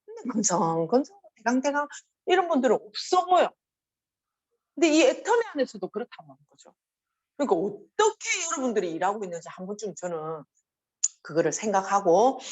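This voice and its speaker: A middle-aged woman with a Gyeongsang accent gives a motivational seminar talk, animated and acting out quoted voices. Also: medium pitch, brisk. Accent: Gyeongsang Korean. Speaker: motivational speaker.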